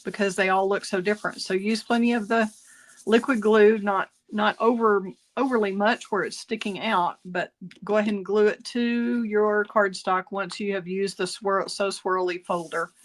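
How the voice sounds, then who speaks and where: A woman teaching card making in a casual tutorial, chatty and self-correcting, with a slight cough now and then. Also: medium pitch. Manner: chatty, self-correcting, laughs at own jokes.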